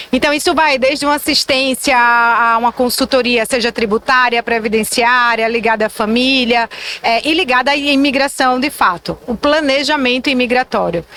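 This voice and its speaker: Pitched high, a woman speaks at a moderate pace with hardly any pauses. Her pitch varies in an ordinary way, and her loudness stays very even. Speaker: international lawyer. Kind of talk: interview.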